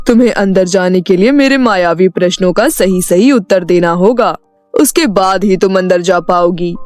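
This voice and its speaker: A woman voicing a magical talking house, a formal and commanding riddle-setting gatekeeper in an animated story. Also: fairly low pitch, normal speed, natural voice. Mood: stern, challenging. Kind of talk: animated Hindi moral story acting. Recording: music behind the voice.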